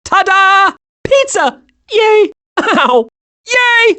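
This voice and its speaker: A hyperactive little cartoon squirrel, pitched very high. The delivery swoops up and down with naive, childlike glee, made for an animated video game. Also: extremely slow, exaggerated voice. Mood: gleeful. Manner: excitable, childlike, gleeful exclamations.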